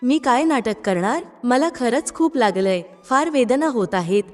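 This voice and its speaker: A woman's voice: fairly high pitch, expressive, moderate pace, natural voice. A woman narrator voicing a scheming, resentful young wife in a storybook, reading her lines in a plain voice. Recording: long reverb with background music.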